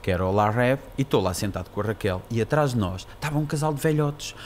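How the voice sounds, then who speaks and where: A man, a guest telling animated anecdotes in casual chat and often repeating words. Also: mid-range voice, fast, slight background noise. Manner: animated storyteller, repeats words while searching. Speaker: guest comedian.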